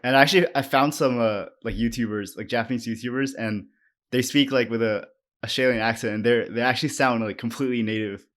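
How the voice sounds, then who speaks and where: A man's voice: mid-range voice, fairly quick, a bit bright. A man co-hosting a casual podcast interview, asking curious follow-up questions in an easygoing way. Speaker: podcast co-host.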